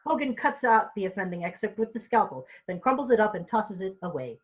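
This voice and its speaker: A woman's voice: medium pitch, sing-song, fairly quick, husky, dull audio. A woman reading stage directions in an informal read-through, tripping over and repeating words now and then.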